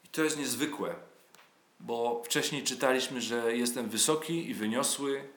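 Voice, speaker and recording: A man preaching a sermon in a slow, heartfelt way, pausing with hesitant fillers. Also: medium pitch, fairly bright tone. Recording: roomy echo.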